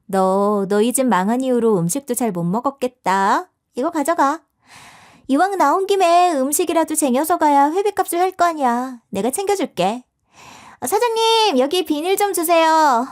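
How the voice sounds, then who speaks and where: A woman voicing a spiteful, newly rich young woman who sneers and mocks, shrill and sharp. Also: moderate pace, few pauses, lightly acted. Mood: taunting.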